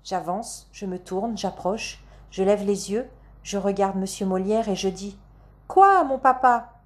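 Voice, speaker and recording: Woman reading a storybook calmly. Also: medium pitch, unhurried. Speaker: audiobook narrator. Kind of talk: first-person storybook reading.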